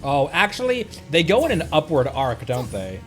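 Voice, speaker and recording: A man's voice: a little high, huge pitch swings, moderate pace, fairly bright tone. A man giving casual gaming commentary as he hosts a livestream, chatting to his viewers. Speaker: livestream host playing a video game. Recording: game music behind. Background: video game music.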